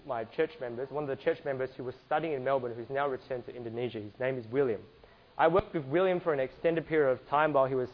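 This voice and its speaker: A man from Singapore giving an earnest church talk about slides, restarting often and filling pauses with "uh". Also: mid-range voice, muffled recording, a little hiss or hum. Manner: earnest, many restarts and fillers. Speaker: church speaker.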